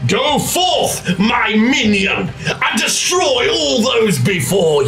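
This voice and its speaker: Over clear background music, a put-on character voice with a fairly high pitch speaks at a very slow pace. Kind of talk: theatrical, formal. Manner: menacing, commanding.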